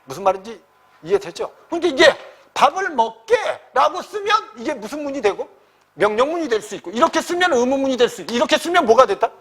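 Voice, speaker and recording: A man's voice: very high voice, sing-song, fast talker, a bit bright. A man teaching a Korean grammar exam-prep lecture, checking in constantly with the listener and acting out students' questions and sample sentences.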